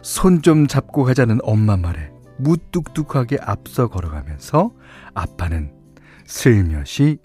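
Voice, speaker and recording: A male radio host who reads listeners' stories and messages in a relaxed, chatty way, joking lightly between readings. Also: lowish voice, measured pace, faint music behind.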